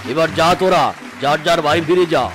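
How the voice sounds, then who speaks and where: A man's voice: on the high side, steady tone, fast talker, over music, pitched below the performer's own voice, close to an everyday voice. A man voicing a bossy male tiger who rules the forest, commanding.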